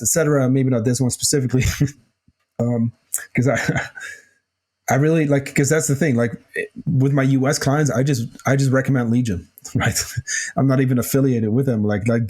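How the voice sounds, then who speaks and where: Male podcast host, mid-pitched, slightly hoarse voice, laid-back solo Q&A delivery, informal and a bit sweary. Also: a little mellow. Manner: casual, swears freely, many fillers. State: slightly hoarse, clears throat. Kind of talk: casual solo Q&A talk.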